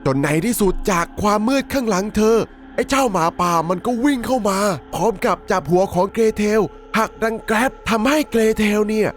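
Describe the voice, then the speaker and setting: A man's voice: sits high, brisk, hardly any pauses, soft background music. A man narrating a dramatic horror story recap, conversationally and politely addressing his listeners as he goes. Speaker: storyteller, channel host.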